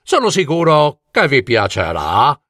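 A man voicing a sly, flattering jeweller in a fairy tale, with obsequious hesitations and interjections. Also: medium pitch, measured pace, no room sound, clean studio sound, heavily acted. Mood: fawning, sly. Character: sly, fawning male jeweller, a king in disguise. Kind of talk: fairy-tale storybook voice acting.

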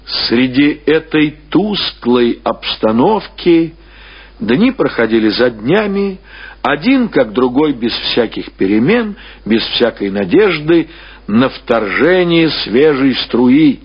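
Man, literary narration, lively swooping intonation, deliberate phrasing, slightly husky, dull radio recording. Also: medium pitch. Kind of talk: scripted literary narration, audiobook or radio reading.

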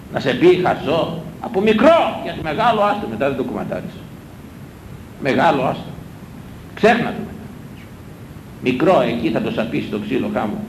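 A man preaching a sermon, scolding his listeners with rhetorical questions and hammering his points home through repetition. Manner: emphatic, repetitive exhortation. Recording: echoey room with low rumble.

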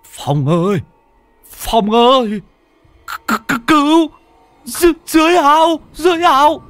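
A man's voice: takes it slowly, a bit bright, dry recording, faint music behind, exaggerated voice. A man voicing a terrified older man stuck in a pond, who stammers shrilly and curses his son-in-law. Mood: panicked. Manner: shrill panicked stammering and cursing.

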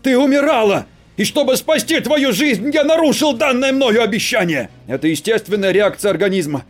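A man voicing a desperate werewolf husband who shouts and pleads to be heard, in an audiobook. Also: fairly high pitch, moderate pace, faint music behind, natural voice. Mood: shouting. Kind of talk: audiobook character voice.

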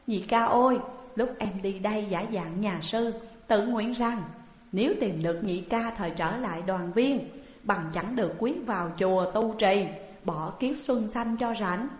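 A woman's voice: a little high, lively intonation, unhurried. Storybook role: woman voicing a plaintive young sworn brother, tearful and pleading, in an echoey, muffled room. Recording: dull echoey hall recording.

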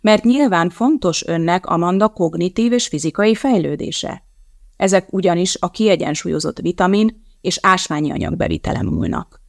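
An audiobook reader voicing a blunt, brisk female chemist and mother who talks in a curt, matter-of-fact way, in a dry recording. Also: mid-range voice, expressive, vocal fry, dry recording. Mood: lecturing.

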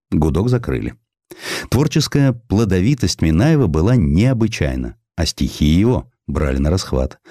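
A man narrating a historical literary essay from a script in an expressive, theatrical manner. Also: sits low, no room sound, studio quality. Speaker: audiobook narrator.

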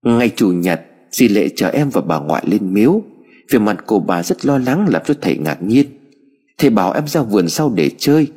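Guy reading a story, lively up and down, reverb and music under. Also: fairly low pitch, husky. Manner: expressive storytelling. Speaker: story narrator. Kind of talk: scripted narration. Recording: hall reverb with music bed.

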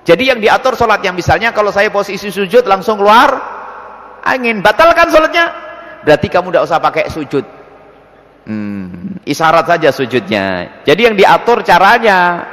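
Preacher guy answering questions, high voice, jumps all over in pitch. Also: moderate pace, big-room sound. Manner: lively, animated, acts out scenes with sudden pitch jumps. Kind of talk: religious Q&A lecture.

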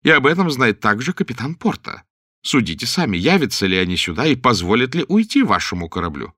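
A man's voice: mid-range voice, sing-song, a little fast, no echo, clean studio sound, voice pushed up. Man doing a furious haughty lord. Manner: indignant, shouting, imperious. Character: enraged haughty English nobleman.

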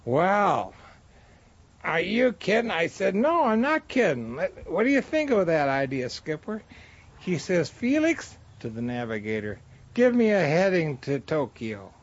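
A man's voice: high voice, a little slow. An older American man, a war veteran, reminiscing casually and acting out remembered exchanges as he tells his story. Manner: animated storyteller, acts out remembered dialogue. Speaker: war veteran, former bomber crew member. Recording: dull lo-fi interview recording, faint noise.

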